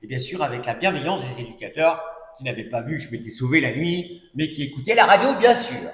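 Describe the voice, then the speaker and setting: A man's voice: mid-range voice, lively intonation, a little fast, a bit bright. Middle-aged male preacher, casual storytelling testimony with asides, roomy church echo. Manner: conversational storytelling with many asides and fillers. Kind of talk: testimony sermon. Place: church hall. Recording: echoey church hall recording.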